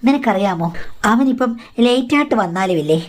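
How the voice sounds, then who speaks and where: A woman's voice: fairly high pitch, lively intonation, fairly quick, natural voice. A woman voicing a blunt, scolding middle-aged mother who lectures her daughter in a matter-of-fact way. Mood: lecturing.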